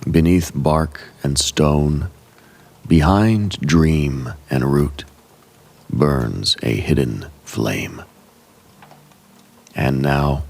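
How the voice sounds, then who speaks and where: A man narrating a guided meditation in an ASMR style, solemn and hushed, in short, deliberate phrases with a gravelly, breathy voice. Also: extremely low pitch. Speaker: host and narrator of a meditative radio show.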